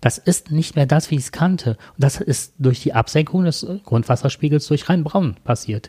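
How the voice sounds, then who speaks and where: A man with a dark, mellow, somewhat breathy tone speaks at a fairly high pitch and moderate pace, his loudness very even. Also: ordinary pitch variation. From Germany, Rhineland lignite mining area. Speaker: podcast co-host. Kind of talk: casual chat.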